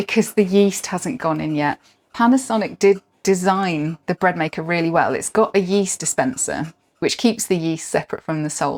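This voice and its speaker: On a very clean recording with a silent background and a dry, close sound with no echo, a woman speaks at a moderate pace in a fairly low pitch with ordinary pitch variation. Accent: British. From Britain. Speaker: cooking vlogger. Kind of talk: casual chat. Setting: home kitchen.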